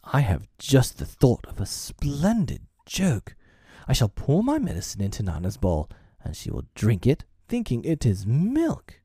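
Blustery wounded dad from a storybook, guy reading him out, pompous and whiny, big swoopy pitch. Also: huge pitch swings, unhurried, dark tone, husky, no room sound, clean studio sound, full character voice. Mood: scheming glee. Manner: bombastic, wounded, prone to roaring. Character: blustering, self-pitying middle-aged father, loud and petulant.

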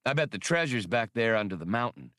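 A shrewd, seasoned treasure hunter from a space adventure audiobook, read by a male narrator. He is practical, with a lowish male voice in a dry recording. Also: sing-song, fairly quick, bright, forceful tone, no room sound. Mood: speculating.

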